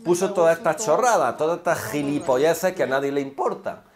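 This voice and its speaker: A man's voice: a little high, brisk, a crowd in the background. A young man giving sarcastic reaction commentary, mocking everything with exaggerated mock delight. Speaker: youtuber reacting to a game demo.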